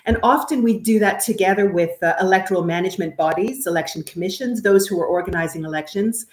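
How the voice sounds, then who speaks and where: A woman from Canada speaking as an expert guest, giving measured, careful explanations in an interview. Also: medium pitch. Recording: roomy, echoey sound.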